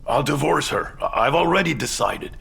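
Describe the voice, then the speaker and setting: A man's voice: fairly high pitch, lively intonation, normal speed, creaky, fairly bright tone, slightly rough, exaggerated voice. An actor playing an impulsive married man who blurts out a marriage proposal, in dubbed film dialogue. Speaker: man proposing to a young woman.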